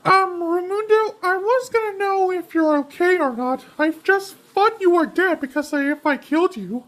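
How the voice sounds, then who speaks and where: A woman's voice: very high voice, moderate pace. A woman voicing an anxious, dramatic young girl in a cartoon parody. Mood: hesitant.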